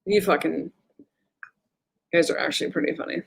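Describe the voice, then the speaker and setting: A woman's voice: lowish voice, a little fast, gravelly, slight background noise. Blunt, profane woman on a livestream. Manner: reads viewer comments aloud. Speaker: spiritual channeler giving an energy update. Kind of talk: casual livestream chat.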